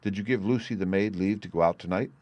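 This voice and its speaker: A man voicing an anxious young woman, the dutiful daughter, speaking softly. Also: deep voice, quick pace, dry recording, natural voice.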